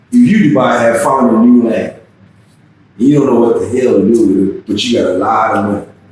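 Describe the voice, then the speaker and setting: A man's medium-pitched, animated, passionate voice at a fairly quick pace, with ordinary pitch variation, noticeable background noise and audible room echo. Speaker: business consultant. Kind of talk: casual podcast interview.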